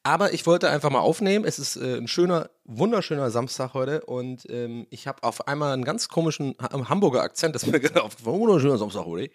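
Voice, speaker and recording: A young man, slightly hoarse, hosting his own podcast from a room at home and ranting in a casual, swearing way. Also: mid-range voice, animated, quick pace, few pauses. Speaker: podcast host. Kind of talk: casual solo podcast monologue. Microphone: own studio mic.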